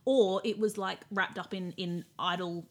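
A woman co-hosting a podcast, giving dry, measured commentary while recapping a reality show. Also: medium pitch, steady tone. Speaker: podcast co-host.

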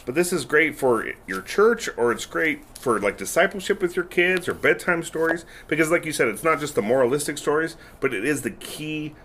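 A man on church staff co-hosting a podcast, relaxed and affirming in casual chat. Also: fairly high pitch, brisk, few pauses.

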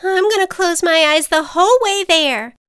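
A fussy, nervous storybook butterfly, prim and quick to deny her fears, as a woman reader puts her on. Her voice sits high and clean. The sound is dry and close. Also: big pitch swings, fairly bright tone, clear, resonant tone, no room sound, heavily acted. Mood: fretful. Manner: defensive, fussy, high-strung. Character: timid, prim female butterfly afraid to fly.

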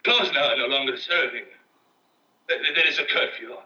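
A man's voice: medium pitch, normal speed, bright, forceful tone, distant mic. An actor playing a nervous male townsman who insists on a curfew, questioning insistently in 1960s TV drama style, on roomy, dull old TV audio from afar.

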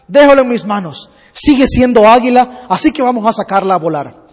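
A man's voice: very high-pitched, lively intonation, brisk. A man preacher voicing a skeptical male farmer who dismisses the idea with repeated refusals. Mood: dismissive. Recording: long hall reverb.

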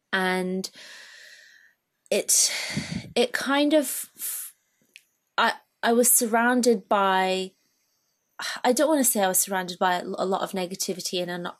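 A woman who grew up in Thailand, talking at length as a guest artist in a casual video-call interview. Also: mid-range voice. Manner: rambling, self-described waffler.

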